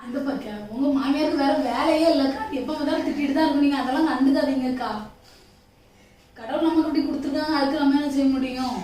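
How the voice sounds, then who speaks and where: A sympathetic, chatty neighbour woman acted by a woman in a homemade drama, talking quickly in a high voice and repeating herself. She has a southern Tamil Nadu accent. The recording is roomy and echoey, off the mic with faint noise. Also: fairly even intonation, mellow, distant mic, natural voice. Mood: consoling. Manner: quick, repetitive consoling and gossipy chat.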